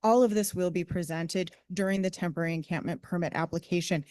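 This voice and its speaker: A woman with a fairly low voice gives formal testimony at a public meeting. Her delivery is measured and explanatory, and the sound is dry and close. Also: darkish tone, no echo.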